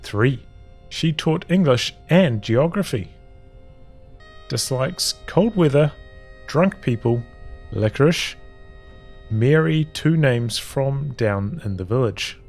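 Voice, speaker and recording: A man reading journal entries from a visual novel aloud as storytelling, in measured, halting phrases with pauses. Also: medium pitch, lively intonation, a little mellow, soft background music.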